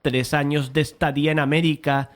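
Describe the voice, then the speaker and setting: A man playing a painter who narrates a dramatized horror tale in a measured, literary way, curious and uneasy. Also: on the high side, level tone, lightly acted. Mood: curious, insistent. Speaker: narrator and lead character.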